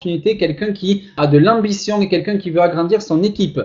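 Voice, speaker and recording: A man with a Toulouse accent, talking at a fairly quick pace. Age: 20s. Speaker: online business presenter. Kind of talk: sales pitch. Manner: animated.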